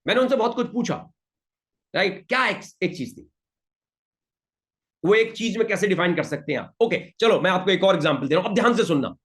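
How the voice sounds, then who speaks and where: A man leading an interactive motivational session. He coaxes the audience emphatically and reads out their answers with quick praise. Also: high-pitched, animated, fairly bright tone. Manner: emphatic, coaxing, repeats pleas to the audience. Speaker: motivational trainer.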